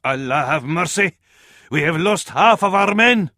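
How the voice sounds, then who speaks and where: High-voiced, fervent Arab battlefield advisor. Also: male voice, expressive, a little slow, bright, forceful tone, no echo, studio quality, exaggerated voice. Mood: mournful. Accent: Arabic. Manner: ornate, dramatic, proverb-laden delivery. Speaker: military advisor in a strategy game. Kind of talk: theatrical video game voice acting.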